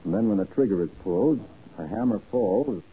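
An actor playing a confident, inquisitive private detective in a 1940s radio crime drama, assured and probing. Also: male voice, lowish voice, lively intonation, a little fast, lightly acted. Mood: assured, curious. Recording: muffled, hissy 1940s radio recording.

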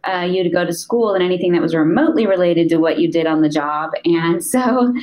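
A woman from the United States is a guest on a podcast, and her voice sits very low for a woman. She talks through her career in a relaxed, matter-of-fact way, often pausing on an um. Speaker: podcast guest, voice interface designer. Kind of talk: interview answers, career story.

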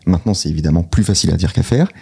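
Low, fast, husky-voiced man. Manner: teasing, deadpan self-mockery. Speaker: podcast co-host. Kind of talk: casual chat, reading out notes.

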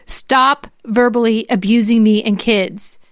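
A woman's voice: on the high side, steady tone, measured pace, no room sound, natural voice. A woman acting out an angry, scornful wife in a dramatic reading of furious, insulting text messages, with emphatic delivery.

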